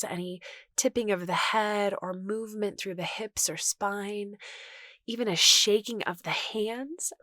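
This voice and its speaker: Gentle woman guiding meditation, close dry sound. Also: medium pitch, no echo. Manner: gentle, reassuring, unhurried. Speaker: yoga and meditation teacher. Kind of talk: guided meditation instruction.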